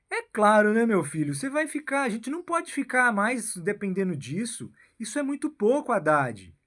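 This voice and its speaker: A man's voice: high voice, breathy edge. A man with a Brazilian accent giving a rambling political monologue, tagging his phrases with a questioning "né?" and "my son" and often restarting himself. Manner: keeps adding "né?" and "meu filho"; halting, repeats and restarts phrases. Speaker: political commentator.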